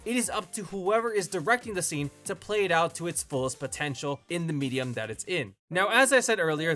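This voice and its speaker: A man presenting a scripted video review as host, explaining things in a measured, articulate way. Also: sits high, sharp tone. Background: background music.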